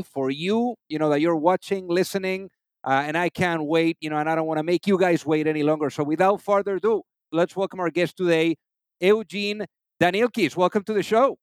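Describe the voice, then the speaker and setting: A male podcast host with a slightly high, smooth and resonant voice. He talks eagerly and rambles, filling his questions with "you know" and trailing asides. The sound is dry and close. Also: no room sound. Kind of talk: interview questions.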